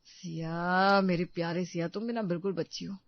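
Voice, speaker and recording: Cheerful young husband, played by a man; calm, joking, dry lo-fi story sound. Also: high-pitched, moderate pace, no room sound. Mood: teasing. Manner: soothing, joking.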